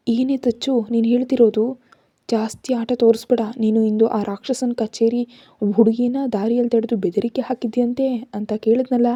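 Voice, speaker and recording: A woman's voice: fairly high pitch, mellow, dry recording, highs cut off, close to an everyday voice. A woman voicing a protective older brother who scolds his sister with affection, in a storybook reading. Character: caring young man, protective older brother.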